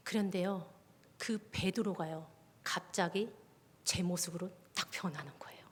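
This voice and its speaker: A woman, a junior pastor, giving a testimony sermon at a midweek prayer service, often dropping her voice to a soft whisper. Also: fairly low pitch, steady tone, unhurried, husky. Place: church sanctuary. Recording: long reverb of a church hall.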